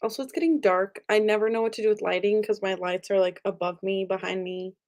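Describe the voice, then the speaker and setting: A woman's voice: medium pitch, steady tone, quick pace, a little mellow. A young woman vlogging casually about books from home, rambling with lots of fillers. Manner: chatty, rambling, frequent fillers. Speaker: book vlogger. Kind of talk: casual chat. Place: home room with angled ceiling.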